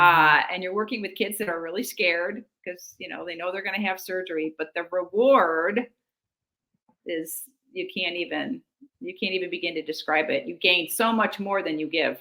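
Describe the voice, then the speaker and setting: A woman talks at a moderate pace in a plain, everyday voice. Her pitch is medium, and its variation is ordinary. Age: 60s. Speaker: dental hygienist. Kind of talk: interview. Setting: podcast.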